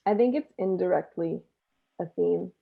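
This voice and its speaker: A woman's voice: lowish voice, normal speed, vocal fry, breathy edge. A woman performer chatting casually as a panel guest, heard over thin, narrow video-call audio.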